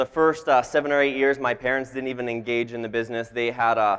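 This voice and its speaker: A man at a very fast pace, medium in pitch, with fairly even intonation. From Canada. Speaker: network marketer. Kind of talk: conference talk. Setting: stage with audience.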